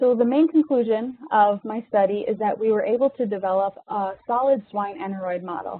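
In a plain, everyday voice, a woman with a fairly high pitch and ordinary pitch variation speaks at a moderate pace with hardly any pauses. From Minnesota, near Minneapolis. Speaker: PhD student in animal nutrition. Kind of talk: research interview.

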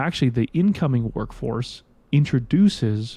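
A somewhat breathy, dark, mellow tone with a Canadian accent over a quiet background. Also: man. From Saskatchewan, Canada. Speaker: business executive and keynote speaker. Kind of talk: interview. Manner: halting, many repetitions and fillers.

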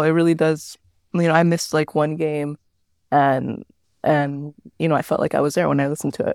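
Recorded very cleanly against a silent background with a dry, close sound and no echo, a woman with a very deep, low voice speaks at a moderate pace with fairly even intonation. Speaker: fan group podcast producer. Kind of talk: casual podcast conversation.

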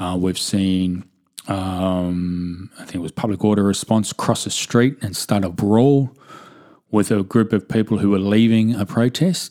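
A man speaks with an Australian accent and a fairly low pitch. His tone is dark and mellow, his intonation fairly even. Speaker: podcast host. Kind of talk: angry rant, indignant and scornful about police and government overreach. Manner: fiery, exasperated, sarcastic, heated.

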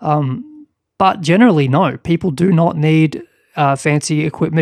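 A man with an ordinary speaking voice and ordinary pitch variation, in a dry, close sound with no echo. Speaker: podcast producer. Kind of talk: casual chat.

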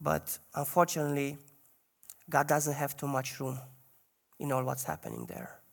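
Fairly high pitch from a man with a Romanian accent, monotone and flat, with long, frequent pauses in a very clean recording over a silent background. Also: moderate pace. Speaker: lay preacher. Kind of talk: sermon. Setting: church service. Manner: halting, many fillers.

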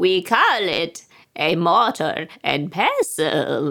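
A raspy put-on character voice at a middle pitch, very slow. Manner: witchy, cackling.

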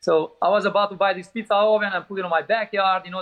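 A man talks at a fairly quick pace in a high pitch. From Albania, raised in Italy (Bari area). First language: Albanian. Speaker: pizzeria owner. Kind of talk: interview. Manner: frequent 'you know' filler.

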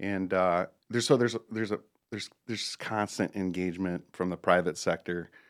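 The recording is very clean, with a silent background. A man speaks fairly quickly in a very deep, low voice with fairly even intonation. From US Midwest. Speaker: high school teacher. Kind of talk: radio interview. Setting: studio.

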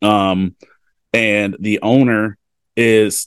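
A normal speaking voice from a man, fairly low-pitched with fairly even intonation, in a dry, close sound with no echo. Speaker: podcast host. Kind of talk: casual interview chat.

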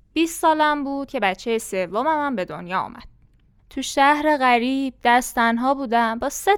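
At a moderate pace, a woman speaks on a very clean recording with a silent background. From northern Iran. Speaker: storyteller. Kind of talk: first-person story narration.

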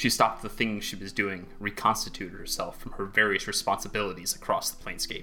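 A passage read aloud plainly

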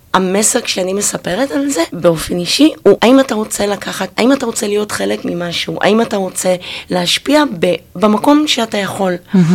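A woman talks at medium pitch and a moderate pace with lively intonation. Noticeable background noise is present. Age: 40s. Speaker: high school history teacher. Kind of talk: panel interview. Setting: studio.

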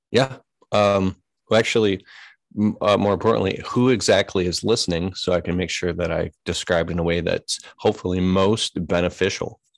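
Against a quiet background, a man with a very deep, low pitch speaks at a moderate pace in a dry, close sound with no echo. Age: 30s. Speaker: landscaper and marketing business owner. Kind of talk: interview conversation. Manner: animated.

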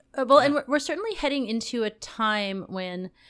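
A normal speaking voice from a woman with a Canadian accent, fairly quick, with lively intonation. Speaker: podcast host and comedy writer. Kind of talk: casual chat. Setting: recording remotely from home.

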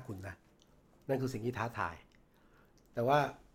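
A man speaks in a medium pitch that is somewhat breathy. His pitch varies in an ordinary way. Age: 50s. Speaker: veteran journalist and former media executive. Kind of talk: interview.

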